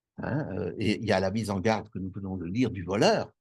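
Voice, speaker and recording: Somewhat breathy, a man speaks at a moderate pace in a fairly low pitch with ordinary pitch variation. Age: 70s. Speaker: preacher. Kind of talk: sermon. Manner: halting, many hesitations.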